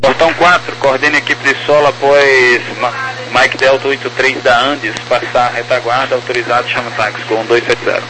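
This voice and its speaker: A man working as an air traffic ground controller, giving brisk, clipped instructions in set radio phrases over a two-way radio. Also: mid-range voice, fairly even intonation. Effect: heard over a two-way radio. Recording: noisy radio transmission.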